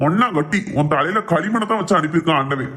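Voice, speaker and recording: A woman's voice: low-pitched, expressive, fast talker, fairly bright tone, husky, exaggerated voice. A woman playing an exasperated middle-aged husband, grumbling and sarcastic. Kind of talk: comic family skit.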